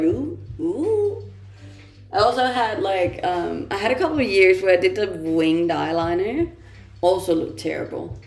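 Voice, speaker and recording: Woman from Denmark, casual livestream host, lots of vocal fry, roomy echo, faint music under her. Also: medium pitch. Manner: laughs often, chatty and self-amused. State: blocked nose from blowing it a lot. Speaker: livestreamer reading chat. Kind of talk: casual morning livestream chat.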